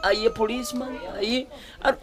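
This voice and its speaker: With a very high-pitched voice at a quick pace and fairly even intonation, a Ugandan-accented man hosts a casual interview on a film set, hesitating with many fillers and restarts. He switches into Luganda commentary, heard over music and crowd chatter.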